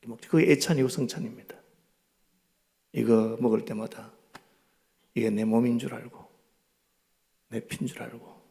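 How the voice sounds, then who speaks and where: Gravelly preacher with a Gyeongsang accent. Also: male voice, medium pitch, moderate pace, long pauses. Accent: Gyeongsang Korean. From Gyeongsang, South Korea. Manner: animated storytelling, swinging from loud to hushed. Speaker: guest revival preacher. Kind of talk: sermon.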